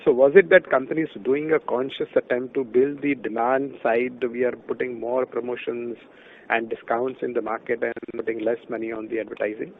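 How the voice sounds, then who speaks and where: Man, analyst questioning, halting starts, tinny phone connection, light background noise. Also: mid-range voice, level tone. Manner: hesitant, repeats words as he starts. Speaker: financial analyst asking questions. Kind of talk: conference call questioning. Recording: tinny, noisy phone line.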